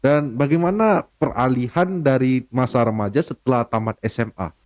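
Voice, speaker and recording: A man's voice: medium pitch, normal speed, a little mellow. A young adult man hosts an interview. He asks his questions in a polite, formal manner and encourages his guest to speak. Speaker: host.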